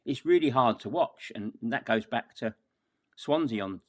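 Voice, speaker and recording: A man with a mid-pitched voice reviews football in a casual podcast chat. He sounds exasperated and talks at length, halting and doubling back on his words. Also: lively intonation.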